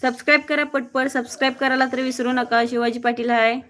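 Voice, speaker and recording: A woman from Maharashtra hosting a live stream, briskly greeting viewers by name and reading their comments aloud in a blunt, outspoken way. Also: sits high, fairly even intonation, fairly bright tone. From Maharashtra, near Mohol. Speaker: livestreamer.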